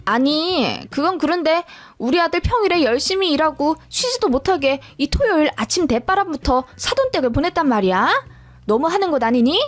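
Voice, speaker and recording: A woman voicing an indignant, sharp-tongued older mother-in-law who scolds with incredulous questions, in a storytelling radio drama. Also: sits high, expressive, brisk, no echo, soft background music, voice pushed up.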